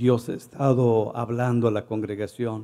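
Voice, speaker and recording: This man has a dark, mellow tone at a medium pitch. His intonation stays fairly even. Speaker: pastor. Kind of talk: sermon. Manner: tends to drop voice volume.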